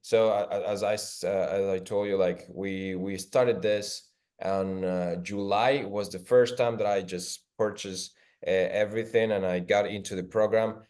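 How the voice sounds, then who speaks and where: A man from Ecuador, a guest in an interview, speaking haltingly with many restarts. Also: fairly low pitch, steady tone, darkish tone. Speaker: interview guest, agency owner. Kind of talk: casual video call interview.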